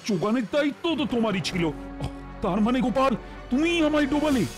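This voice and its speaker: A man's voice: extremely high pitch, quick pace. An actor playing a jovial, easily swayed king in a cartoon, repeating his words. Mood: dismayed. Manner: repeats words, lively swings from praise to dismay. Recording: cartoon voice with music behind.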